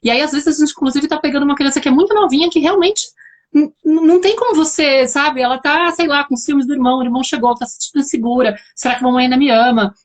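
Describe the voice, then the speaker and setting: A woman's voice: high-pitched, fast. A woman with a Brazilian accent hosting a live video chat, explaining her points in a thoughtful way. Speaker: host.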